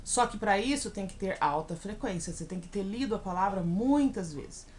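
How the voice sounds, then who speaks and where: A woman with a Brazilian Portuguese accent teaching in a recorded video lesson, slowly spelling out example words and often checking in with her students. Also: mid-range voice, expressive, noisy background. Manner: checks in with frequent "tá bom?".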